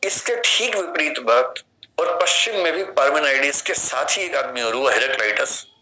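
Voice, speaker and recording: Man, fifties, indian accent, very bright and sharp voice, lecturing a class, asks questions and gives examples. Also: fairly high pitch, expressive, normal speed, low-quality recording. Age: 50s. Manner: explains with questions and vivid examples. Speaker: philosophy teacher.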